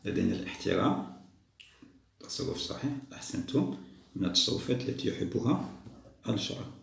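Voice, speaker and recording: A man patiently walking young schoolchildren through a test, repeating each answer slowly. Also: fairly low pitch, big pitch swings, creaky, echoey room, slight background noise. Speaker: teacher solving a school test. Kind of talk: step-by-step lesson for young children.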